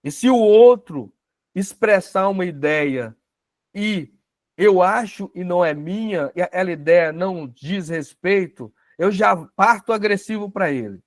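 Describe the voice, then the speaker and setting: Brazilian male teacher, slightly high voice, dry close sound, chatty, asks the room questions. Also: expressive, measured pace, no echo. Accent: Brazilian Portuguese. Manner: conversational, tag questions, acts out dialogues. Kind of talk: spiritual self-knowledge class.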